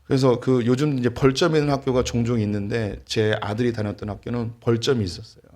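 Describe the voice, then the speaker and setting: A middle-aged man preaching a sermon as a pastor, telling a family story with light humor and plainspoken warmth before turning to the gospel message. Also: medium pitch, steady tone, fast talker. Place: church sanctuary.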